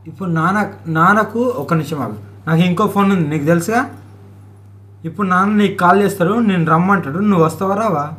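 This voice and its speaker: A woman's voice: fairly low pitch, quick pace, a bit bright. Woman on an echoey phone call. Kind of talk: private phone conversation, informal. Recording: echoey, noisy leaked phone call recording.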